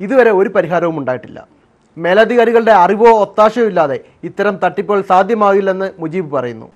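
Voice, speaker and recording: A man's voice: high-pitched, animated, a little fast, muffled recording. A man reading a scripted investigative news narration as the programme's presenter.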